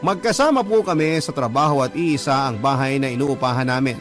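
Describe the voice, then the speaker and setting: A man's voice: mid-range voice, brisk, soft background music, close to an everyday voice. A man playing a gay man in his twenties, telling his life story as a scripted, sentimental first-person letter. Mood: earnest, chatty.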